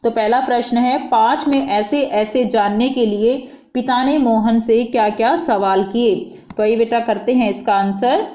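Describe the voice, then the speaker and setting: A woman teaching a school worksheet, reading a passage aloud and then explaining it simply, calling her students "beta". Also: a little high. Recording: echoey, dull lo-fi room.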